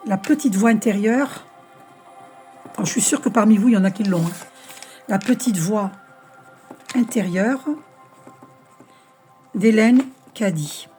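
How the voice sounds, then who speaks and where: A woman's voice: mid-range voice, warm tone. A woman hosting her own spiritual channel, talking casually to camera while she reads oracle cards, rambling and searching for words with many fillers. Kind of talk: casual spiritual monologue, card reading.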